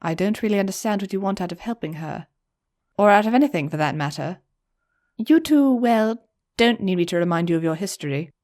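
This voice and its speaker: A woman voicing a calm, regal pony princess in a storybook reading. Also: medium pitch, brisk, natural voice. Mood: gentle.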